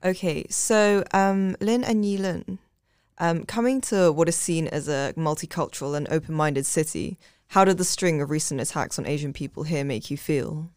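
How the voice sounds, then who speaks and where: Low-voiced woman hosting a podcast. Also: moderate pace, clear, resonant tone, no room sound, clean studio sound. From England. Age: young adult. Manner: attentive, frequent soft backchannels. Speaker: podcast host. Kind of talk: casual interview.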